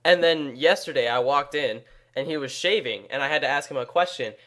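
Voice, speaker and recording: A teenage man co-hosting a casual podcast chat, telling animated stories and laughing along. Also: medium pitch, fairly quick. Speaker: podcast co-host.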